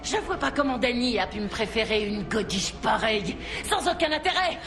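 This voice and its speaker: An actress in a dubbed thriller playing a vicious, jealous, obsessive teacher with a taunting, theatrical manner. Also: female voice, fairly high pitch, animated, moderate pace. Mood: gloating, menacing. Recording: music under the voice.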